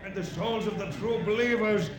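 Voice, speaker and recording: A man's voice: high voice, steady tone, moderate pace, natural voice. A man playing a fanatical doomsday priest, declaiming in the style of 1950s radio drama. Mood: fervent, menacing. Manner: declamatory, chanting. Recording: echoing old radio recording, noisy crowd.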